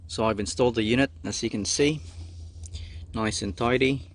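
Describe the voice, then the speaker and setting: A man's voice: medium pitch, normal speed. A man presenting a casual hands-on how-to tutorial. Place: in and around a car.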